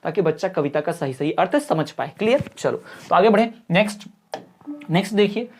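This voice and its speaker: A man's voice: sits high, animated, a little fast, a little mellow, a little hiss or hum. A man teaching an online exam-prep lesson, explaining each answer step by step, repeating key terms and checking that listeners follow. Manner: addresses listeners informally as "brother".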